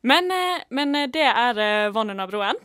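A woman hosting a word quiz in relaxed radio chat, playful and full of small pauses. Her voice sits a little high and the studio sound is dry and close. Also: clear, resonant tone, dry recording. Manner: playful, with frequent filler pauses. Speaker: quiz host.

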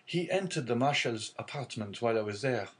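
A man's voice: mid-range voice, lively intonation, brisk, lightly acted. A man voicing a polite, earnest young male ship's mate.

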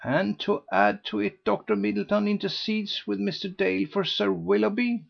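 A man voicing an excitable, gossipy older society lady who gushes and pleads breathlessly. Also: sits high, normal speed, creaky, muffled recording, pitched above the performer's own voice, heavily acted. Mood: gushing.

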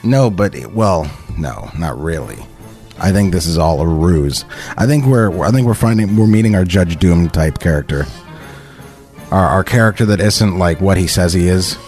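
A man's voice: low-pitched, animated, moderate pace, a little mellow, soft background music. A man hosting a casual comedy podcast, joking and swearing as he reads through a script with friends. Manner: joking, profane, laughs often.

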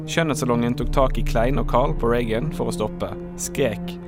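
A man reading narration aloud in a halting, uneven way. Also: medium pitch, music in the background. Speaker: narrator of a script read.

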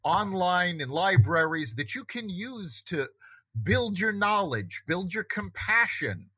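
A man's voice: high-pitched, big pitch swings, takes it slowly, bright, forceful tone, husky, dry recording. A man hosting a conversation, talking earnestly and reflectively about self-improvement, with frequent restarts. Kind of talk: casual conversation.

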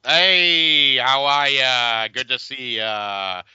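A man's voice: medium pitch, steady tone, very slow, sharp tone, clean tone, no room sound, dull audio. A man co-hosting a podcast in casual, joking banter, often breaking into his own sentences. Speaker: podcast co-host.

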